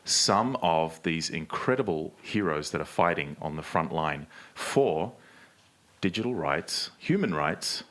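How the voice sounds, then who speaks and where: This man co-hosts a live podcast panel on stage. His low-pitched voice is animated and fairly bright, and he keeps a measured pace while addressing the crowd with questions like a seasoned presenter.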